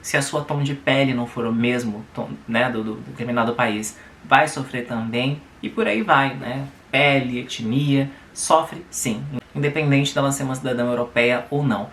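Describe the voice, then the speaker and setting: A man's voice: mid-range voice, normal speed, hardly any pauses, fairly bright tone, reverberant, a little hiss or hum. A Brazilian man with a Brazilian Portuguese accent, hosting his channel and reading a viewer's letter aloud with chatty commentary and tag questions. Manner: conversational, adds tag questions. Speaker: YouTube host.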